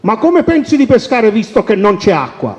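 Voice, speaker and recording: A man voicing a stern, proud king who gives orders and mocks in a high, lively voice. The recording is a dull radio recording with long reverb. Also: moderate pace. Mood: scornful.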